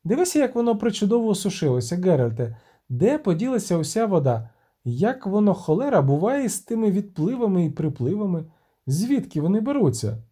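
A man reading an audiobook, voicing an excitable male bard who rambles on in lively chatter. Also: high-pitched, fairly quick, husky, pitched above the performer's own voice, exaggerated voice. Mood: excited.

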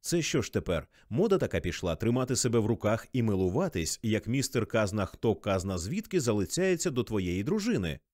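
A blustering, jealous rich husband, as a man voices him in an audiobook, ranting in indignation. The delivery swings widely in pitch and sounds dry and close. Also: sing-song, fairly quick, few pauses, a little mellow, no room sound. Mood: indignant.

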